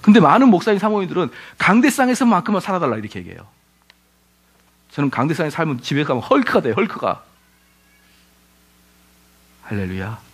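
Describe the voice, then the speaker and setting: A man's voice: on the high side, fairly quick, pauses often, slightly rough. A middle-aged male pastor giving a lecture-style sermon, firing rhetorical questions at his listeners and acting out quoted voices. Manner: animated, asks the audience rhetorical questions, acts out quoted voices.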